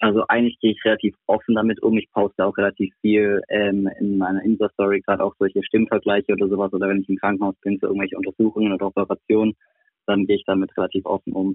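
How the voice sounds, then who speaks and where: Delivering his words in a flat monotone at a very fast pace, a man speaks at a fairly low pitch. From Stuttgart, Germany. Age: 20s. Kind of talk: personal story on phone. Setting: phone call.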